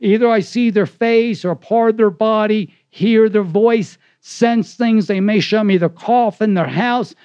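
A man's voice: sits high, unhurried, few pauses, a little mellow, smooth, dry recording, muffled recording. A man with a New York Jewish accent and a carrying voice, chattily telling anecdotes as an interview guest and voicing both sides of conversations.

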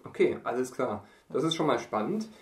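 A man's voice: medium pitch, animated, normal speed. A man hosting a podcast, guiding the conversation with friendly questions and summaries. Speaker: podcast host. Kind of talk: casual podcast interview. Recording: echoey room, distant from mic.

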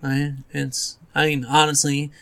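A man's voice: a little high, little pitch movement, measured pace, vocal fry, sharp tone. A man co-hosting a podcast, chatting casually and informally. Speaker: podcast co-host. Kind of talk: casual chat about movies and video games.

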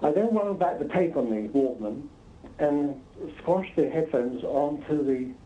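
A man's voice: on the high side, lively intonation, unhurried, warm tone, a little hiss or hum. A man being interviewed as a guest, telling anecdotes conversationally in a hesitant, self-interrupting way. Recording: slightly dull, lo-fi sound.

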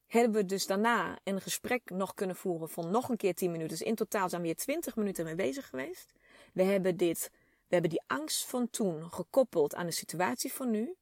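A woman's voice: medium pitch, a little mellow, no room sound, clean studio sound. A woman in her thirties telling a personal story to her listeners in an open, chatty, emotional way with plenty of fillers. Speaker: vlogger speaking to a female audience.

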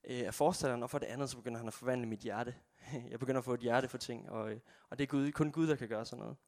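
A man's voice: medium pitch, fairly even intonation, gravelly, darkish tone. Earnest young man sharing faith. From Jutland, Denmark. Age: 20s. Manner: earnest, halting, with frequent pauses. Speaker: young church member giving testimony. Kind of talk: personal testimony and closing prayer. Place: church.

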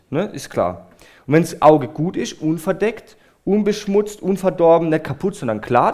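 A male preacher giving a sermon in an earnest, emphatic way. His voice sits at an ordinary middle pitch for a man. He leans hard on key words, then lets many phrase endings drop away softly as he turns to address the congregation directly.

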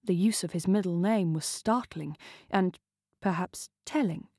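Female narrator for a novel: measured, slow delivery, dry booth sound. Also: fairly low pitch, warm tone, dry recording. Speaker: reader.

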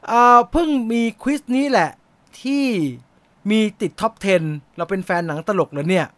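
A man's voice: high voice, very animated, normal speed, fairly bright tone, no room sound. A man hosting a live movie quiz stream, announcing winners and teasing viewers in casual chat. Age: adult. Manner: playful, teasing, joking asides with laughter.

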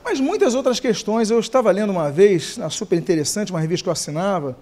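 High-voiced Brazilian pastor preaching. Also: male voice, lively intonation, fast, a little mellow. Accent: Brazilian Portuguese. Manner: humorous, conversational, addresses congregation. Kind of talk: sermon. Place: church.

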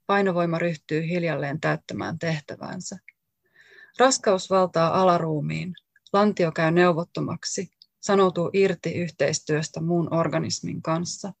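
A woman author reading her own poetry aloud in slow, deliberate short lines. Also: lowish voice, vocal fry, no echo.

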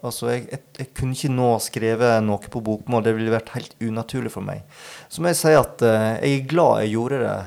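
A man, an author and podcast guest, speaking in a thoughtful, halting way and often searching for his words. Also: mid-range voice, gravelly, darkish tone. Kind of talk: reflective interview talk.

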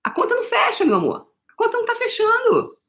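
Her voice is extremely high and fairly bright, swooping wildly in pitch as she talks fast. She is a middle-aged motivational coach with a Brazilian Portuguese accent, delivering a live talk with emphasis, frequent "meu amor" and occasional swearing.

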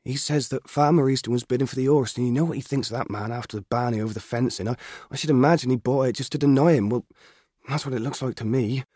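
A man's voice: mid-range voice, fast, mellow, dry recording, studio quality, pitched above the performer's own voice, close to an everyday voice. A man voicing an anxious, stern farmer's wife and mother in a storybook reading. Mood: anxious, scolding. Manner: scolding, anxious. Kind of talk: audiobook character voice.

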